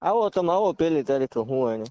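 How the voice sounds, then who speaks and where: A man's voice: on the high side, sing-song, fairly quick, mellow. A man with a Saurashtra Gujarati accent in casual phone talk, giving brief, noncommittal replies on a muffled recording.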